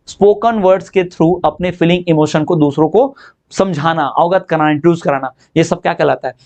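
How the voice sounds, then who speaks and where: A high-voiced man gives an exam-prep lecture. He explains mostly in Hindi, often asking and answering his own questions. When he reads the English definitions, he slows down sharply. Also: darkish tone. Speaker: teacher.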